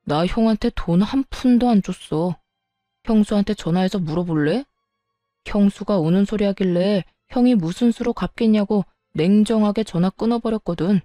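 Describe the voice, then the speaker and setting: A woman's voice: medium pitch, moderate pace, warm tone, no room sound, studio quality, soft background music, natural voice. A woman voicing a stingy, selfish young husband who talks in a curt, lecturing way. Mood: dismissive.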